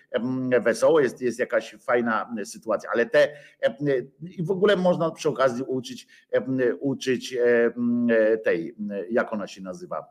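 A man hosting a rambling satirical monologue, sarcastic and profane, full of hesitations and filler sounds. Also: mid-range voice.

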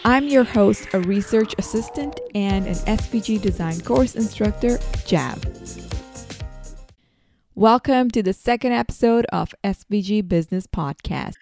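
Woman, podcast host, upbeat, enthusiastic, soft music underneath. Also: mid-range voice, expressive, a little slow, creaky. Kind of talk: scripted intro and interview questions.

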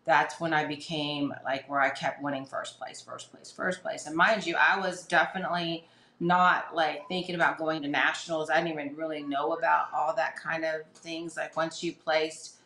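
A woman's voice: low-pitched, fairly even intonation, moderate pace, bright, forceful tone. A middle-aged woman, telling her story as a podcast guest in a chatty way with lots of fillers and restarts. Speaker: podcast guest, fitness competitor. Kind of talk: casual storytelling interview. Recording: echoey room.

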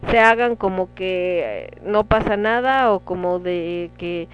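A woman's voice: fairly low pitch, animated, slow pace, clean tone. A woman with a Mexican Spanish accent hosting a casual talk show, chatting with listeners and reading out their comments. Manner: conversational, reads listener comments aloud. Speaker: radio show host. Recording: dull lo-fi sound with faint music.

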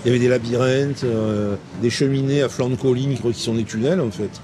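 An older passer-by from Marseille, France, speaks a little fast at medium pitch with fairly even intonation, in a lightly mixed Marseille French accent. Interviewed on an urban terrace amid outdoor street noise, he rambles philosophically as in bar talk, mock-learned and playfully grandiloquent.

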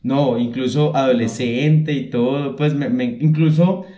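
A man's voice: mid-range voice, measured pace, mellow. A man co-hosting a casual conversation, discursive and often searching for his words. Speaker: podcast co-host. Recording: roomy, echoey room.

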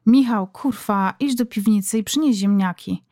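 A woman's voice: medium pitch, normal speed, darkish tone, dry recording, clean studio sound, natural voice. A woman voicing a domineering, foul-mouthed middle-aged country mother who scolds her family in rural dialect. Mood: scolding.

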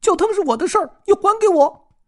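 A man voicing a small excitable squirrel in a children's storybook, with a squeaky, shrieking voice pitched far above his own. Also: fast. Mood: shrieking angry. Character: shrill little squirrel, excitable and possessive.

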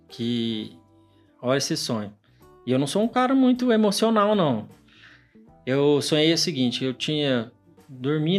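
A man tells a personal story in casual podcast chat, his voice sitting a little high for a man. He talks with feeling, acts out the lines of the people in his story, and keeps dropping in casual fillers. Soft guitar music plays quietly behind him. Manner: emotional storyteller who peppers speech with "cara" and acts out dialogue.

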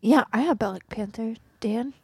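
Higher-voiced, giggly podcast co-host. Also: female voice, measured pace, vocal fry, husky. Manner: giggly, upbeat. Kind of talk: casual live commentary.

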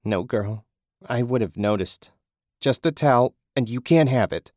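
A man's voice: unhurried, darkish tone, dry recording, clean studio sound, lightly acted. A man doing a whiny, possessive skinny vagrant. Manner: whiny, high and defensive. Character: skinny whining underground man, possessive and petty.

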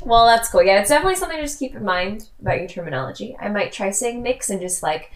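A woman from Canada hosting a casual podcast chat, talkative and quick to laugh. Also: medium pitch, expressive. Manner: chatty, laughs often. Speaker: podcast host.

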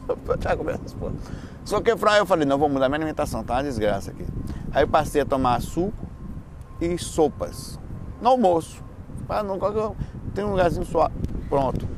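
Bahian man chatting casually, noisy background. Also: fairly high pitch. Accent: Bahian Brazilian Portuguese. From Bahia, Brazil. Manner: colloquial, slangy, playful, with repeated false starts and self-interruptions. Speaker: speaker answering audience questions on spirituality and lifestyle. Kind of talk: casual rambling chat.

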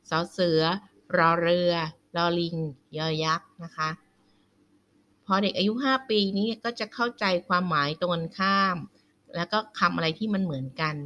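A woman giving a slide lecture on children's language development, speaking politely with frequent soft sentence-ending particles and an occasional filler. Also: fairly low pitch, a little hiss or hum.

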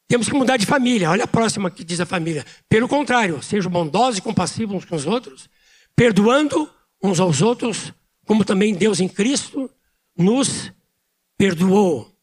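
Man with a high voice preaching loud, repeats stuff for emphasis, pastor sermon. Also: expressive. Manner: preaching with pauses and emphatic repetition; speaks loudly by his own account.

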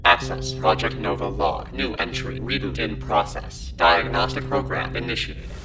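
A man's voice: deep voice, moderate pace, close to an everyday voice, poor audio. A man voicing a cold station computer AI that stutters and glitches as it logs its entries. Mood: clinical. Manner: stuttering, glitching machine delivery. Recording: loud music bed under the voice.

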